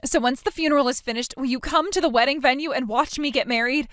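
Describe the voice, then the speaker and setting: A woman's voice: high voice, quick pace, a bit bright, no room sound, studio quality. An actress playing a self-absorbed bride who whines, stammers and makes demands of her sister. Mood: whiny, demanding. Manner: whiny, self-pitying, stammering. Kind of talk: scripted drama acting.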